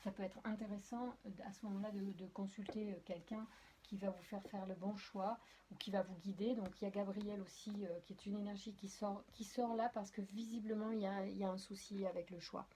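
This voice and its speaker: Speaking fairly quickly in a steady, mellow, medium-pitched voice, a woman reads tarot cards casually and addresses her viewers directly. She's hesitant, restarting and apologizing with many fillers, and a little hiss or hum sits under the recording. She reads tarot and oracle cards.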